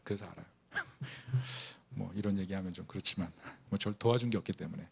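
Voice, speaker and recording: A man's voice: low voice, fairly quick, gravelly, fairly bright tone, breathy edge. A middle-aged man preaching a Sunday sermon, telling a story and building to fervent, emotional emphasis. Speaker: pastor.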